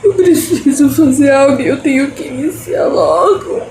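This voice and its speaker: A woman's voice: sits high, moderate pace, darkish tone. A woman speaking in a tearful, emotional devotional vlog, laughing through tears and repeating her phrases. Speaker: artist sharing her faith. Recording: roomy echo with faint background noise.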